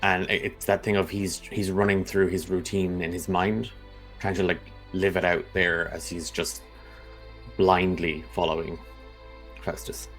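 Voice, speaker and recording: A man playing in a tabletop game who describes his character in a halting, thoughtful way. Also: deep voice, flat delivery, fairly bright tone, faint music behind, rough recording. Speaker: player.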